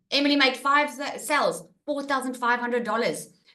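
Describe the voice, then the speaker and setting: Animated and bright with a sharp tone, a woman talks at a high pitch and fairly quick pace. Room echo is audible. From South Africa. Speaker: online business coach. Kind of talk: webinar sales pitch. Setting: webinar with screen sharing.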